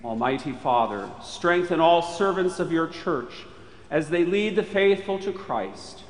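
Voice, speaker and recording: A man leading formal church prayer with solemn, measured phrasing in a reverberant chapel. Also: fairly high pitch, lively intonation, a little hiss or hum. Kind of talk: formal spoken liturgical prayer. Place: large chapel. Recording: echoey chapel with long reverb.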